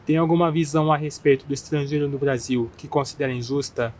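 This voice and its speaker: A man's voice: mid-range voice, flat delivery, fast talker, darkish tone, a little hiss or hum. A man acting as interviewer, asking short, plain questions.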